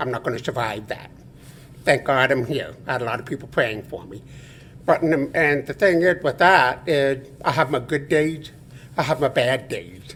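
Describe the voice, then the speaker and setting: At a moderate pace, a man with a fairly high voice speaks with ordinary pitch variation. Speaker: public commenter. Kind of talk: public comment at meeting. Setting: township board meeting room at podium. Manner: loud.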